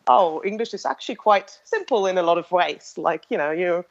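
Woman guest, low voice, hesitant, lo-fi sound. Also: expressive, brisk. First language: German. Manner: thoughtful, many ums and restarts, light laughs. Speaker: interview guest, language-tech developer. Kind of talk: casual explanatory interview talk. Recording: muffled lo-fi audio.

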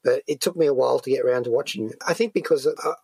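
Man, slightly husky, enthusiastic radio host. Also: medium pitch, rapid-fire, a little mellow, no echo. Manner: enthusiastic, discursive. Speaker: radio show host and reviewer. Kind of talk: conversational TV review chat. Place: dry radio studio.

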